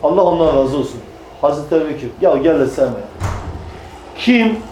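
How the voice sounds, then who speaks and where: A man's voice: fairly high pitch, lively intonation, moderate pace, mellow, echoey room, faint music behind, low-quality recording. A man preaching to a small group, emphatic, repeating phrases and answering his own rhetorical questions. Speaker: religious preacher. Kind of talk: religious talk to a small group.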